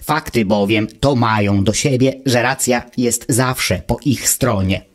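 A man performs a lightly acted, medium-pitched take on a mechanical friend for a fairy-tale audiobook. This male character lectures calmly and pedantically, reasoning in a cold, measured way.

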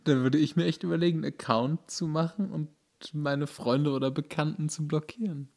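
A man in casual comedic chat as a podcast co-host, dry and halting, rephrasing his points. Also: a little high, steady tone, creaky, a little mellow.

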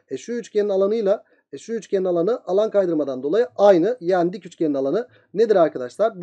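A man's voice: high-pitched, warm tone. A man teaching a geometry lesson at speed, asking students' questions himself and then answering them. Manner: very fast talker, voicing student questions himself.

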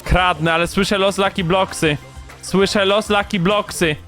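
A man giving excited, rapid game commentary, repeating phrases and breaking into shouts as he plays. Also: high voice, faint music behind. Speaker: gaming YouTuber.

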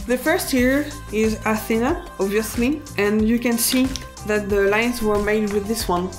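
A woman in her thirties with a French accent, casually presenting a sketchbook tour in halting English as an illustrator and channel host. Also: a little high, over music.

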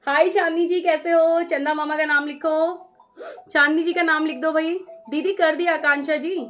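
Chatty high-voiced woman selling sarees live. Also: steady tone, a bit bright. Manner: chatty, brisk, reads out viewer names and takes bookings; mixes English phrases into Hindi. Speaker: saree seller on live stream. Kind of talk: live-stream sales chat.

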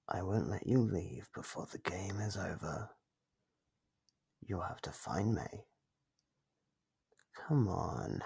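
A man voicing an ancient monster under the bed in an ASMR roleplay, playful, taunting and menacing, with a breathy, gravelly half-whisper. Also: deep voice, darkish tone, full character voice. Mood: sly teasing. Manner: slow, teasing, menacing.

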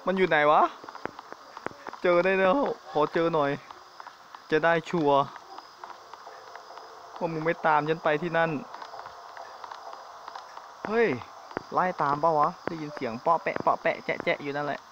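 A man's voice: on the high side, steady tone, measured pace, pauses often, fairly bright tone. A man giving nervous, jokey commentary while playing a horror game, often blurting out exclamations. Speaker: gamer. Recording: dull lo-fi mic with insect noise behind.

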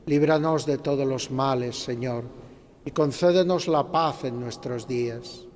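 A middle-aged priest recites the Mass prayers slowly and solemnly into an altar microphone. His words trail off into a long cathedral reverb, with faint ambience of the congregation behind. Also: medium pitch, a little mellow, a little hiss or hum. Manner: slow, measured solemn recitation. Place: large cathedral. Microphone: stand microphone at the altar.

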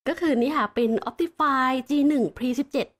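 A woman hosting casual Minecraft gameplay commentary, chatty and explanatory, with excited exclamations and giggles. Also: sits high, moderate pace. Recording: background music in the mix.

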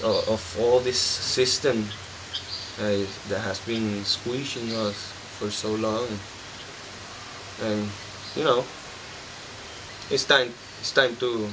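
A man's voice: mid-range voice, noisy background. A young man, answering interview questions earnestly outdoors, with many fillers. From Puerto Rico. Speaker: volunteer builder. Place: outdoors by a bottle wall.

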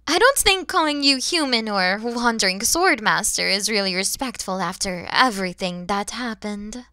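A woman voicing a kind, motherly mature dragon in an ASMR roleplay, speaking softly and breathily with tender, soothing warmth. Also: medium pitch, lively intonation, moderate pace, no room sound, clean studio sound. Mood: grateful, gentle. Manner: soft, breathy, soothing, often near-whispered.

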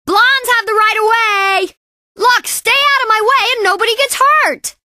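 A woman's voice: very high voice, unhurried, sharp tone, no room sound, studio quality, full character voice. A woman voicing a perky, cocky young female bandicoot racer in a video game, with a sassy, boastful, exaggerated cartoon delivery. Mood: excited, bossy. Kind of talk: video game character voice lines.

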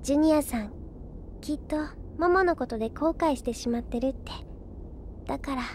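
A woman playing a gentle, polite, devoted little girl in an anime-style audio drama, speaking earnestly. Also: high voice, normal speed, slight background noise, natural voice. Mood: tender. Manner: polite, soft-hearted, earnest.

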